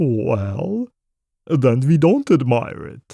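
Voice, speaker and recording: A man puts on a character voice with lively intonation. His pitch sits at a medium level. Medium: read story. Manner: affable, matter-of-fact.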